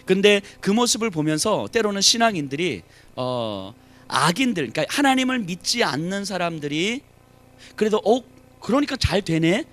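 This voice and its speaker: A man preaching a sermon as pastor at a church service, animated, rising to emphatic challenges and dropping to soft asides. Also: sits high, moderate pace, faint music behind.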